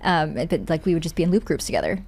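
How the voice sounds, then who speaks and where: A woman's voice: low-pitched, animated, fast talker, a little mellow, husky. A young woman chatting casually as a podcast guest, telling anecdotes in a giggly, talkative way full of "like". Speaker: podcast guest, voice actor and singer.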